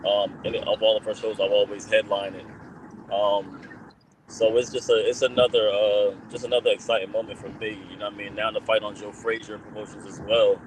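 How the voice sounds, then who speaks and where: Low-voiced confident boxer, laid-back talk. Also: male voice, flat delivery, brisk, background noise. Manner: casual, repetitive restarts, confident. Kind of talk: guest interview.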